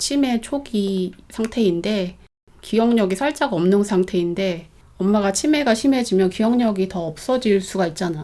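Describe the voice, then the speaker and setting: With lively intonation and a dark, mellow tone, a woman speaks at a medium pitch and a moderate pace in a very clean recording with a silent background. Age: 40s. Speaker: mind-study channel host. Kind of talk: casual conversation with her mother.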